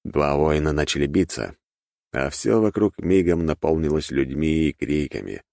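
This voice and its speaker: A man narrating a fantasy audiobook in a steady, even reading voice, recorded close to the mic. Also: rumbling low, moderate pace, gravelly, no echo.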